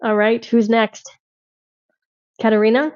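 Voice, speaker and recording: A woman's voice: fairly high pitch, steady tone, unhurried, darkish tone, smooth. A woman hosting a group video call, talking loosely with many fillers and restarts. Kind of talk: casual group chat. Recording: dull lo-fi call audio.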